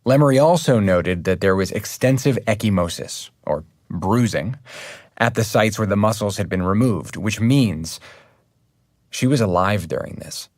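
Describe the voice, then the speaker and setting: An actor playing an earnest investigative journalist, speaking in a measured, conversational true-crime podcast style. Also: male voice, on the low side, expressive, dry recording, studio quality, close to an everyday voice. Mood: sober, reflective. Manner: measured, reflective, sober.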